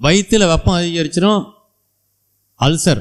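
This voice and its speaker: The voice sounds animated, with ordinary pitch variation. The recording is very clean, with a silent background. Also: man. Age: 60s. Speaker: traditional Tamil medicine doctor and organic farmer. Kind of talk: public talk.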